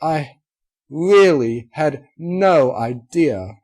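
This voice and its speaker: A man voicing a refined unicorn mare who speaks in a breathy, trembling, genteel way. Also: fairly low pitch, moderate pace, darkish tone. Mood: pleading.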